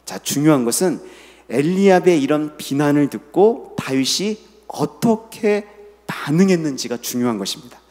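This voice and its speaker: As senior pastor, a middle-aged man delivers a sermon in a church sanctuary, guiding the congregation in reading scripture and asking them questions. His pitch is on the high side with lively intonation, a moderate pace and a darkish tone, all wrapped in long hall reverb.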